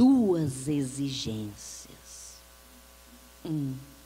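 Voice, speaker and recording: In a northeastern Brazilian accent, a woman speaks with lively intonation amid audible room echo. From Brazil, Northeast (Piauí). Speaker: spiritist lecturer, psychologist. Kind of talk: spiritual lecture. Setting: hall with audience. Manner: animated.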